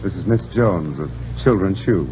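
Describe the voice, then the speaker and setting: An easygoing young store worker; dull lo-fi sound, heavy crowd and noise. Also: male voice, low voice, animated, normal speed. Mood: breezy. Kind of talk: 1940s radio acting. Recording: lo-fi old radio broadcast with crowd noise.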